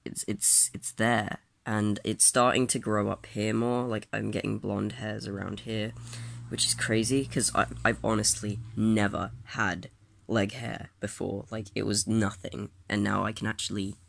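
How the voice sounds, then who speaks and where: A man's voice: lowish voice, level tone, measured pace, gravelly, a bit bright. A trans man in his late teens rambling candidly in a casual vlog, recorded on a phone held at arm's length in a small bedroom. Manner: candid, rambling, many fillers and restarts. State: groggy, just woken up. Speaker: vlogger. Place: small bedroom, then a desk in a bedroom, indoors. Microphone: phone or webcam at arm's length.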